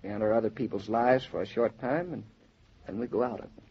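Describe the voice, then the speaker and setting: Earnest, reassuring young husband, gravelly and low. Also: male voice, brisk. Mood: tender. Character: David, young newlywed husband, tender and reassuring. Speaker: actor in radio drama. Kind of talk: 1940s radio acting. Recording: dull 1940s radio transcription.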